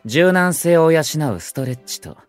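A male actor plays an aloof young perfectionist idol in an anime-style audio drama. He is severe and haughty, with clipped formal phrasing and a widely moving pitch, over background music. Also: expressive, moderate pace, smooth, lightly acted. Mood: proud, severe.

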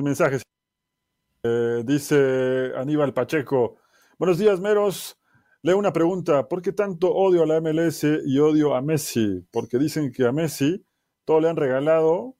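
A man's voice: fairly high pitch, a little slow, mellow. A man co-hosting sports radio, reading out listener messages and commenting casually. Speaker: radio co-host and message reader.

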